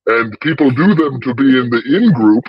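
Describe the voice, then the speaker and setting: A man's voice: mid-range voice, animated, husky, no echo, highs cut off, voice pushed down. A man using a voice changer to play a smug male devil arguing as devil's advocate, speaking in a morphed, mock-sinister voice. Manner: mock-sinister, jokey, slow drawl.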